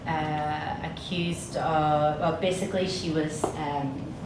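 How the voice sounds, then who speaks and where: A woman hosting an informal exhibition tour, talking in a relaxed, conversational, slightly hesitant way. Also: low-pitched, slow. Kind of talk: informal public talk. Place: indoor gallery space. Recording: echoey room, distant mic, noisy.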